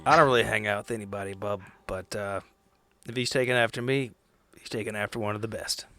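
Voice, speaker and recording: A man's voice: on the low side, fairly even intonation, fast, sharp tone, soft background music. Man playing a blunt, cocky, weary boss. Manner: blunt, offhand, slangy.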